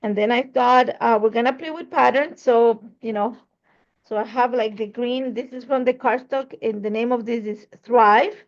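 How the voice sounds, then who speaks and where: Woman from Ecuador, crafting tutorial host; chatty and rambling, self-correcting, slightly high with vocal fry. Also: normal speed, lo-fi sound. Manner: chatty, rambling, corrects herself mid-sentence. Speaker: scrapbooking crafter demonstrating a layout. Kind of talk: casual craft tutorial talk.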